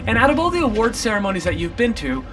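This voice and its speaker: A man asking upbeat, rapid-fire interview questions in an eager, playful way. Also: high-pitched, big pitch swings. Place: backstage at an arena venue. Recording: distant mic with music behind.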